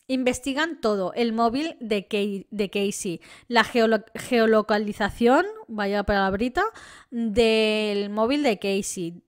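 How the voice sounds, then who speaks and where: A young woman with an accent from Spain, telling a true crime story in a casual, indignant way and talking straight to her viewers. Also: a little high. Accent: Spain Spanish. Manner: indignant, chatty, addresses viewers directly.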